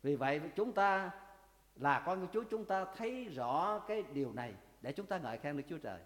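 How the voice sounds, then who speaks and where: A male pastor preaching a sermon, emphatic, with drawn-out pauses, often turning to address the congregation. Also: high-pitched, lively intonation. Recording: long reverb of a church hall.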